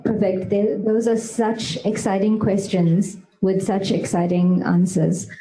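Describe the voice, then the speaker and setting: A woman giving thoughtful, deliberate off-the-cuff remarks as a panelist at a public discussion. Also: mid-range voice, flat delivery, mellow, slight background noise, low-quality recording.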